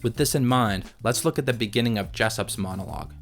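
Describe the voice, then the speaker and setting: A man narrating a scripted video essay in a measured, analytical way. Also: mid-range voice, soft background music.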